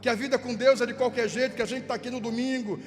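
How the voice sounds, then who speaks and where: Male pastor with a gaúcho accent and a strikingly high voice; preaches through a story, acting out the voices and repeating words for effect. Long church reverb. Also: fairly even intonation, fast talker. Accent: Rio Grande do Sul gaúcho Portuguese. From southern Brazil. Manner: repeats words for emphasis, acts out dialogue. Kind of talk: sermon storytelling. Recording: long church reverb, faint music behind.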